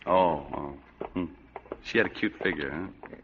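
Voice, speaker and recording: An actor playing a wisecracking hard-boiled private eye in an old-time radio drama, dry and sardonic. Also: male voice, deep voice, unhurried, noisy background. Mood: wry. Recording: dull old radio broadcast.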